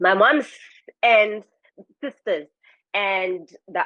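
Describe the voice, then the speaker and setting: A woman speaks with a South African accent. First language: Afrikaans. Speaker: podcast guest. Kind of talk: casual chat. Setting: studio. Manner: halting.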